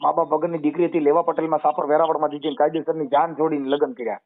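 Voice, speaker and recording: High-pitched Gujarati man on a phone line. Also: little pitch movement, racing. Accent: Saurashtra Gujarati. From Gujarat, India. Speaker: activist taking a help call. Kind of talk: informal phone counselling conversation. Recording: narrowband phone call audio.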